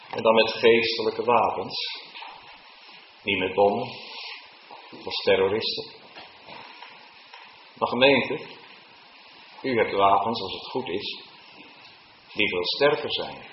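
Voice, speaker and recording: A man preaching a sermon to his congregation in church, now and then rising into loud, high, drawn-out calls. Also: reverberant, highs cut off, slight background noise. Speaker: pastor.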